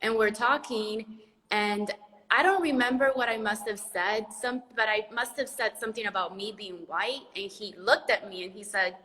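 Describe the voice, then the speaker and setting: A woman from Venezuela, talking in a slow, hesitant, thoughtful way in casual conversation. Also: medium pitch, pushed and bright, big-room sound, poor audio.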